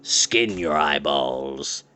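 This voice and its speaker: A man voicing a booming, theatrical old male spirit guide who shouts down from the sky in archaic phrases. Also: expressive, extremely slow, exaggerated voice. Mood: rousing.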